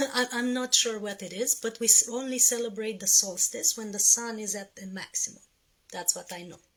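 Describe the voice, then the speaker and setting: An ordinary speaking voice from a woman, fairly high-pitched, with fairly even intonation, a fairly quick pace and big swings in loudness. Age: 40s. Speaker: spiritual teacher. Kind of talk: conference talk with interpreter. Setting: stage with audience.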